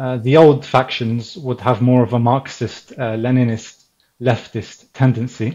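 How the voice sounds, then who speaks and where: A man's somewhat breathy, medium-pitched voice with a dark, mellow tone, at a moderate pace. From Palestine. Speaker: Islamic scholar and writer. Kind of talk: interview.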